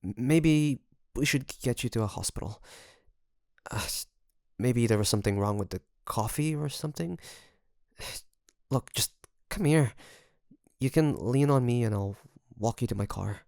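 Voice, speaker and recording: A man playing a secretly obsessive best friend in an intimate audio roleplay, coaxing and hesitant, with sighs and pauses. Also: medium pitch, creaky, darkish tone, dry recording, studio quality. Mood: feigned worry.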